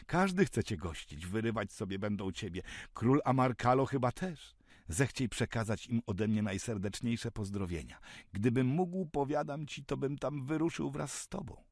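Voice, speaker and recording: A man's voice: medium pitch, lively intonation, normal speed, dry recording, clean studio sound. A man voicing a simple, good-natured, henpecked village man who speaks in an easygoing, folksy way.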